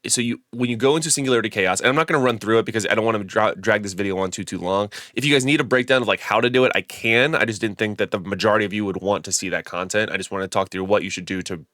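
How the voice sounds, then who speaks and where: A lower-voiced man with a stuffy, nasal sound from a head cold talks through a game guide in a loose, rambling way, full of ums and restarts. The close mic gives a dry, dead sound. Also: racing, hardly any pauses, fairly bright tone, no room sound. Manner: chatty and rambling, many fillers and self-corrections. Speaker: gaming video creator. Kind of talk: casual game guide commentary.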